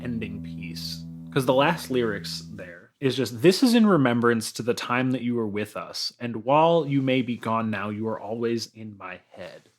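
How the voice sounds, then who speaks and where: A man's voice: mid-range voice, lively intonation, normal speed, few pauses, soft background music. A man speaking as a podcast guest in a casual discussion of an album.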